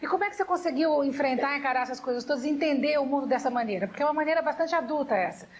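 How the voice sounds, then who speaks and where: A woman hosting a TV talk show in a studio, brisk and attentive as she steers the conversation. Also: sits high, a little hiss or hum. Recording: dull broadcast audio.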